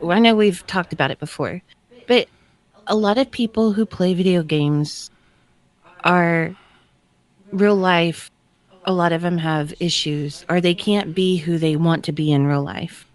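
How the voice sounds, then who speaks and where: A woman's voice: lowish voice, unhurried, dry recording. A woman co-hosting a podcast, explaining her view in a casual, matter-of-fact way. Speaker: podcast co-host.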